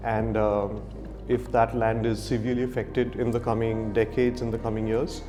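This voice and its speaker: A man speaks at a medium pitch with a Bengali accent, his intonation monotone and flat. Music plays in the background. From India, Calcutta. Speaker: photographer. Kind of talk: interview.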